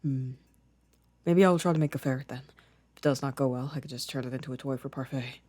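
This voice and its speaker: A young man playing a gentle, shy, affectionate boyfriend in an ASMR roleplay, speaking softly and hesitantly with careful phrasing. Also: mid-range voice, fast talker, slight background noise, lightly acted. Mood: shy, fond.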